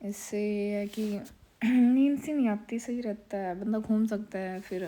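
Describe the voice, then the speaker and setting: A woman's voice: medium pitch, steady tone, measured pace, dark tone. Chatty mother narrating her family vlog. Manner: chatty, scolding and teasing about her kids. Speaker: vlogger and mother.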